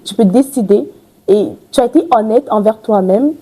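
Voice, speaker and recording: A woman's voice: on the high side, moderate pace, dark tone, husky, poor audio. A woman hosting a podcast, chatty and effusive, with many fillers and restarts. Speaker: podcast host. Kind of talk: casual interview chat.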